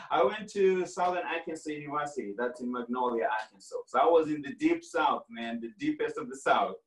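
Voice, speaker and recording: Relaxed, rambling Kenyan-born man, echoey. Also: on the high side, moderate pace, recorded from a distance. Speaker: franchise owner guest. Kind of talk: casual podcast conversation.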